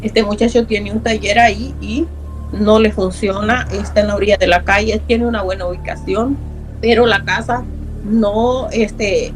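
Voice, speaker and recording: A woman's voice: mid-range voice, fairly even intonation, normal speed, soft background music, rough recording. A middle-aged woman from Honduras, earnestly telling a personal story as a guest, repeating words for emphasis.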